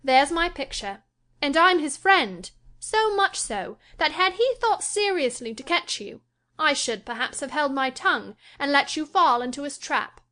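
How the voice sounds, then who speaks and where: A woman's voice: high-pitched, expressive, unhurried, pushed and bright, voice pushed up, exaggerated voice. A woman reading an audiobook and voicing a proud, imperious young lady of the house who talks with scorn and emphasis. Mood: vehement. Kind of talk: audiobook character voice.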